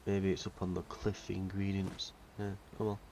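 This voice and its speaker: A man's voice: sits low, monotone, normal speed, a little mellow, a little hiss or hum. Chatty man with a cold. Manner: chatty, rambling, with fillers. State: slightly nasal from a cold. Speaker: let's play host. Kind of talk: casual gameplay commentary.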